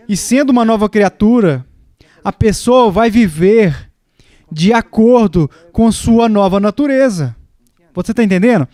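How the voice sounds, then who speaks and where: High-voiced man dubbing a sermon. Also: darkish tone, dry recording. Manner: emphatic, with deliberate pauses and repetition. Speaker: preacher's voice in a dub. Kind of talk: dubbed sermon.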